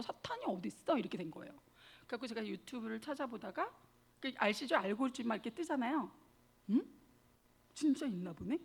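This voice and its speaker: A woman preaching a sermon, telling her story with animation and acting out the voices in it. Her voice is a little high, with a gravelly, husky texture. She often turns to speak straight to the congregation. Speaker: guest speaker, institute director.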